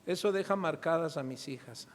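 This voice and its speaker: Mexican pastor preaching in an echoey church. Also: male voice, a little high, moderate pace. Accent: Mexican Spanish. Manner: preaching with rhetorical questions and acted-out anecdotes. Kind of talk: sermon. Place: church hall. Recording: reverberant church hall.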